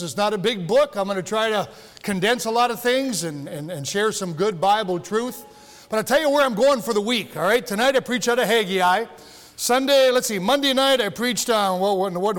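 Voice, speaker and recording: A man's voice: high-pitched, long reverb tail. A man in his sixties from Michigan, a longtime pastor preaching a sermon in a church in a folksy, joking way with many restarts. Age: 60s. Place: church sanctuary.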